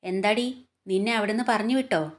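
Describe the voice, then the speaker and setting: A woman's voice: mid-range voice, natural voice. A woman storyteller voicing a harsh, scolding middle-aged stepmother who talks down with contempt. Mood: scornful. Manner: quick, contemptuous.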